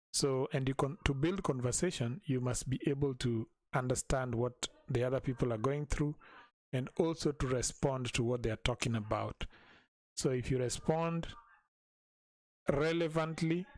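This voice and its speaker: A man teaching a language in a live stream, patiently repeating each phrase slowly for learners. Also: medium pitch, a little mellow, dry recording.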